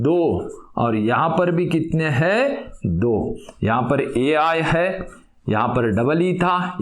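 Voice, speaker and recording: A man teaching English grammar, asking questions and answering them himself, stretching out example words slowly. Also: fairly high pitch, echoey room. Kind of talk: explanatory lesson with questions to viewers.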